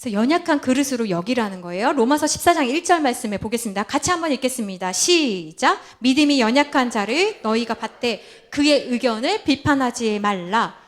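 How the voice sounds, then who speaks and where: Animated, high-voiced woman pastor. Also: brisk, hardly any pauses. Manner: playful, laughing often, quizzing the congregation by name. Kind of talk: lively interactive sermon with role-play. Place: church sanctuary.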